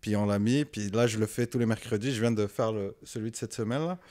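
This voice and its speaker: This man's tone is dark and mellow, with ordinary pitch variation. He talks at a fairly quick pace on a very clean recording with a silent background. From Morocco, moved to Quebec at 13. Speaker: music producer and rapper. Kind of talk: casual podcast interview. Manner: code-switching French and English, frequent repetitions.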